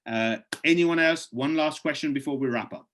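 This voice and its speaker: Man hosting a video call, voice going hoarse. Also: a little high, normal speed, a bit bright. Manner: persuasive, urging, reads questions aloud and answers them. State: losing his voice. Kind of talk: live online presentation with questions from chat.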